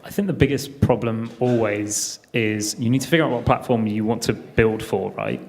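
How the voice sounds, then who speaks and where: A man's voice: on the low side, moderate pace, a little mellow. Emphatic man on a panel. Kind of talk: conference panel talk. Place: conference stage.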